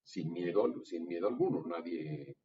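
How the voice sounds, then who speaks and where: A man with a Mexican accent, a music workshop teacher patiently coaching a student through a vocal improvisation exercise in halting, encouraging phrases. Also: low voice, expressive, dark tone. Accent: Mexican Spanish. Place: university music classroom. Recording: dull, distant room recording with faint noise.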